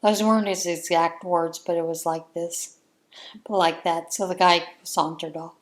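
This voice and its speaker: Slow, earnest woman chatting at home. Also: lowish voice, fairly even intonation. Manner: earnest, measured and heartfelt. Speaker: crafting channel host. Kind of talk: casual opinion chat.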